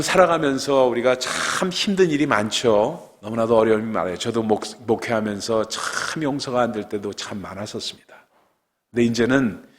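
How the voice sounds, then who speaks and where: Middle-aged pastor guy preaching, goes from loud to whispery, long church echo. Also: medium pitch. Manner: emotional, swings from loud outbursts to hushed whispers. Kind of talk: sermon. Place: church sanctuary.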